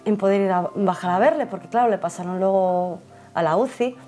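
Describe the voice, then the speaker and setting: A woman's voice: medium pitch, a little fast, mellow, faint music behind. A mother from Spain giving an earnest, reflective personal account, with frequent fillers and restarts. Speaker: interviewee, mother. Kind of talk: personal testimony.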